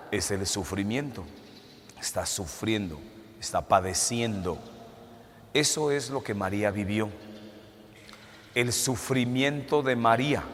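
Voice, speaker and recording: A man, a Catholic priest, reading the gospel and preaching a homily in a church, his voice carrying a cathedral echo. He speaks in a measured way and poses rhetorical questions. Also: medium pitch, fairly bright tone. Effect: cathedral echo, long church reverb. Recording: long church reverb, faint hiss.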